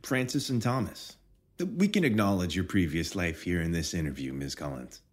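A man's voice: low-pitched, lively intonation, moderate pace, breathy edge. A man playing an affable but needling government interviewer in an audio drama, chatty and patronizing. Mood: probing.

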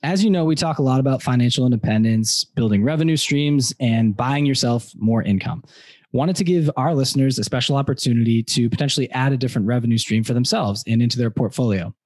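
Guy rattling off a podcast promo quick, dry close mic. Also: medium pitch, darkish tone, no echo. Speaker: podcast co-host. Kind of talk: promo read for listeners.

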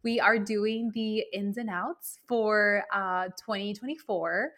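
A woman from Venezuela with Spanish as her first language co-hosts a lifestyle podcast. She talks in an upbeat, chatty way at a middle pitch. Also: fairly even intonation, takes it slowly, a bit bright. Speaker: podcast co-host. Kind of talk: casual chat.

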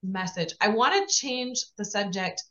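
Woman podcast host, mid pitch, affirming, slightly dull recording. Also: animated, measured pace, pushed and bright. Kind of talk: conversational interview.

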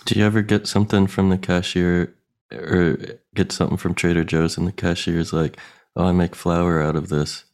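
A man's voice: sits low, little pitch movement, normal speed, vocal fry, a little mellow. A man co-hosting a comedy podcast, just woken up, talking in a sleepy, wry drawl. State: just woke up. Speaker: podcast co-host. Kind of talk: casual banter.

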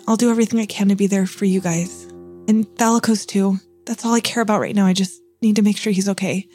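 A woman's voice: mid-range voice, fairly even intonation, quick pace, darkish tone, faint music behind. Earnest woman playing in character. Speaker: player. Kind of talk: in-character role-play.

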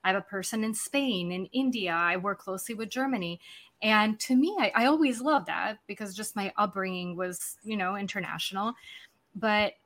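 A woman's voice: mid-range voice, normal speed. Woman, forties, from Serbia, chatty, laughs easily, natural conversational delivery. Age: 40s. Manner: animated storyteller, laughs easily, many fillers. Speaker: podcast guest. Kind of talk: conversational business talk.

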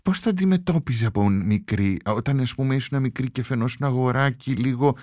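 A male host in a casual interview who gently prompts his guest and laughs along. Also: medium pitch, dry recording, clean studio sound.

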